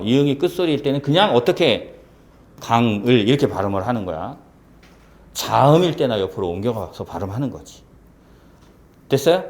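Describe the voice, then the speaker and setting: Lively Korean lecturer, animated pitch. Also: male voice. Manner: lively, asks many rhetorical check questions. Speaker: civil service exam Korean teacher. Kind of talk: classroom lecture.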